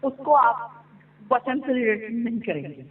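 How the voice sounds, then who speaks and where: A woman's voice: fairly high pitch, sing-song, measured pace. A woman calling in on the phone, talking insistently in a preachy way. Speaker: caller. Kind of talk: phone conversation. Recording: tinny phone line, far from mic.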